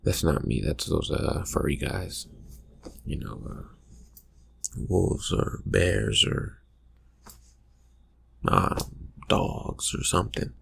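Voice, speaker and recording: A man playing a brooding, distracted vampire friend in an ASMR roleplay, murmuring in halting, husky phrases that trail off. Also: big pitch swings, a bit bright, exaggerated voice. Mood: evasive. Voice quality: breathy, husky, gravelly low murmur. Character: brooding, distracted young male vampire friend, slyly teasing. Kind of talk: ASMR roleplay, improvised soft talk to the listener.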